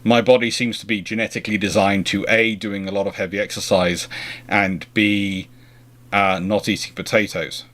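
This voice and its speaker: A man's voice: lowish voice, little pitch movement, normal speed, a bit bright. A British man hosting a history question and answer chat, rambling and rephrasing as he thinks aloud. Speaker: host of a naval history question and answer show. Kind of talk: casual rambling explanatory chat.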